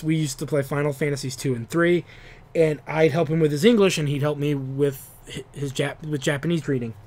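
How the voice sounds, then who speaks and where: A man, host of a retro game talk show, rambling in a casual monologue full of swearing and restarts. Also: on the high side. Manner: rambling, profane, restarts often.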